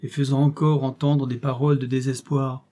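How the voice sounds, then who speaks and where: A man's voice: mid-range voice, level tone, moderate pace, warm tone, close to an everyday voice. A man voicing a fierce, stubborn elderly professor who speaks with rising urgency, in a storybook reading. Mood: stern insistent.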